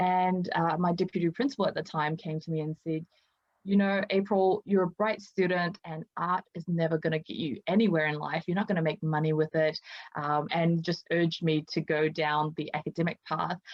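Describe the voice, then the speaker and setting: Here a woman speaks at a fairly low pitch and a moderate pace. Her intonation is fairly even. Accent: strong New Zealand. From New Zealand (from age 9, born in Burma). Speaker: mindset coach. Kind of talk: podcast interview.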